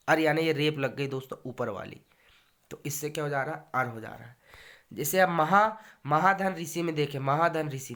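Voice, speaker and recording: A male teacher gives a recorded grammar lecture. He talks straight to his students as friends and drags out each example word so they can follow. Short pauses and fillers break up his explaining. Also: a little high, fairly bright tone. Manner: addresses listeners as friends, repeats examples slowly; frequent hesitation fillers.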